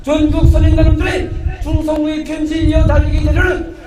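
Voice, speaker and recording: Youth reporter, North Korean accent, very high monotone declamation, ceremonial, heard far off with echo. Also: brisk. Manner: declamatory, rigidly formal. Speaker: youth relay participant giving a report. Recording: distant echoey outdoor mic, crowd noise.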